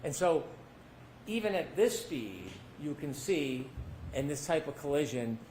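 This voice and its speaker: A man's voice: fairly high pitch, very animated, a little slow, darkish tone, slight background noise, low-quality recording. Man cross-examining in a courtroom recording. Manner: pointed leading questions with tag endings. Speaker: defense attorney.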